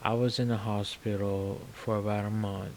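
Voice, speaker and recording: Man, forties, slurred speech, flat delivery, low voice, personal vlog story. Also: normal speed, a little hiss or hum. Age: 40s. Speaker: vlogger.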